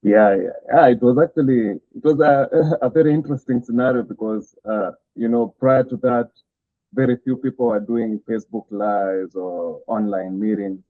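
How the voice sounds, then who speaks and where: A middle-aged pastor with a Kenyan accent, telling his story as a guest in a halting way full of "uh" fillers. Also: mid-range voice, steady tone, no room sound. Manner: halting, many "uh" fillers, chuckles between thoughts. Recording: tinny phone-like call audio, dry.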